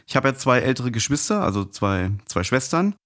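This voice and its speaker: A man's voice: medium pitch, sing-song, fairly quick, a bit bright. A man of forty telling personal stories casually as a guest on a podcast. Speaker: podcast guest, fan of audio plays.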